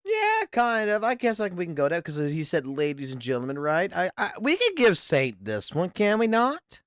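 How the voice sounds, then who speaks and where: A man's voice: high voice, wildly swooping pitch, normal speed, fairly bright tone, no echo, clean studio sound. A man chatting casually as co-host, blunt and interjecting, swearing often. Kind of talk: casual chat.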